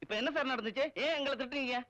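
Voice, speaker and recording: A fast wisecracking student sidekick. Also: male voice, very high voice. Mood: cheeky. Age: young adult. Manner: wisecracking, playful. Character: cheeky young male comic sidekick. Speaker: college student. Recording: old film soundtrack under loud music.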